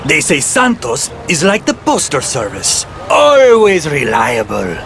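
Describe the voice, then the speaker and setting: An actor playing a sly, smooth-talking Spanish black marketeer with a Spanish accent in a video game. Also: male voice, fairly high pitch, huge pitch swings, unhurried, fairly bright tone, a little hiss or hum, full character voice. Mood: pleased, oily. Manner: wheedling salesman's patter peppered with Spanish. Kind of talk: video game cutscene acting.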